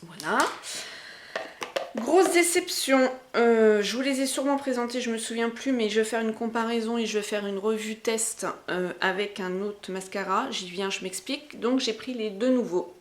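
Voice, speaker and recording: A woman's voice: on the high side, normal speed. A woman with a Berrichon accent from the Berry region of France, chatting casually as a beauty vlogger showing makeup she bought. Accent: Berrichon French. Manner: chatty, enthusiastic, slangy.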